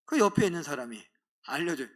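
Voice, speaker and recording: A man's voice: on the high side, lively intonation, quick pace, fairly bright tone. A middle-aged man, a pastor, preaching a sermon in a church, telling stories animatedly and mimicking other people's voices. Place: church sanctuary.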